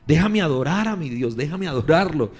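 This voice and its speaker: A man's voice: fairly high pitch, lively intonation, normal speed, soft background music. Begging demon, retold by a man. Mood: pleading worship. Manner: pleading, crying out for forgiveness. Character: weeping demon in a teenage girl, deep voice, pleading.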